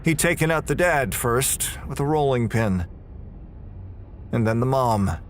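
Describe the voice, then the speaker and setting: A man playing a frightened prison inmate, giving a grim, deliberate first-person horror narration. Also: mid-range voice, animated, slight background noise, lightly acted. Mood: bitter dread. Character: terrified, bewildered male prison inmate recounting horror. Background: music.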